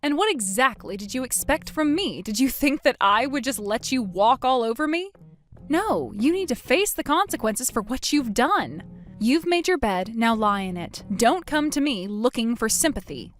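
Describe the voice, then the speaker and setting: A woman's voice: a little high, lively intonation, moderate pace, soft background music, lightly acted. Woman doing a cold scornful woman. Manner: cold, cutting, mocking. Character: cold scornful woman, the wronged narrator in scene.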